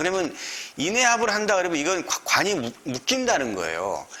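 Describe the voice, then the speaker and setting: In a raised, projected voice, a man speaks at a high pitch with very wide pitch swings, with audible room echo and noticeable background noise. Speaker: fortune-telling lecturer. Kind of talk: lecture. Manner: halting.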